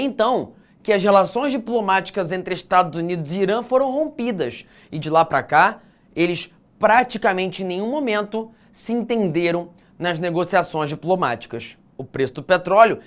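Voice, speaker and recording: A man's voice: high voice, a bit bright. A man with a Brazilian accent teaching an exam-prep geography lecture, stressing key words and speaking straight to his students.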